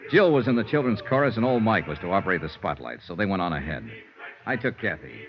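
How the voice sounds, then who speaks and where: Very low, steady private investigator narrating; expressive, old-broadcast sound. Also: male voice, quick pace, crowd noise. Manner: steady, reassuring, hushed when comforting. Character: tough but tender male private investigator. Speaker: narrator and lead. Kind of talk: 1950s radio drama narration. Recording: dull old radio broadcast, faint hiss.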